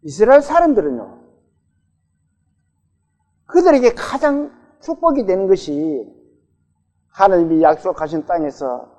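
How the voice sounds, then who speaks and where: Lively pastor preaching. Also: male voice, high voice, a little slow, pauses often. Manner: conversational, asks the congregation questions. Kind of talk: sermon. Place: church sanctuary. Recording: dull, reverberant church recording.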